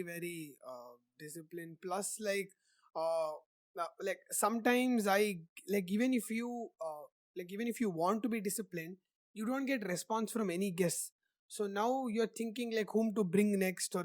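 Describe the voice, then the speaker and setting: A man's voice: high-pitched, no room sound. A young man hosting a podcast, answering questions in a casual, rambling way with lots of "like" fillers. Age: young adult. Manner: rambling, heavy use of "like" fillers. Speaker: podcast host. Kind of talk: casual conversational interview answers.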